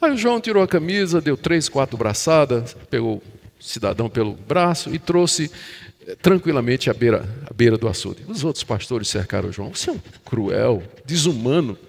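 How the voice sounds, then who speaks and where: An older man with a Brazilian Portuguese accent preaching a sermon as a pastor. He speaks expressively and slows down to stress the scripture passages. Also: medium pitch, very animated, creaky. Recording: long reverb from a large hall.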